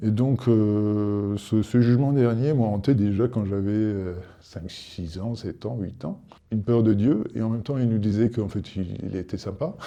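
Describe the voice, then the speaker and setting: A man with a dark, mellow tone and a fairly low pitch talks at a fairly slow pace with ordinary pitch variation. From Iran. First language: Persian (speaking French). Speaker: convert giving testimony. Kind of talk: testimony. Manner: halting, with hesitations.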